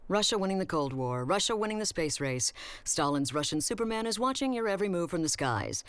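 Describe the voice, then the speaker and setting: A woman's voice: lowish voice, big pitch swings, brisk, dry recording. A woman voicing a wry, sardonic American newspaper reporter in a motion comic, with a dry manner. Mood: dry, weary.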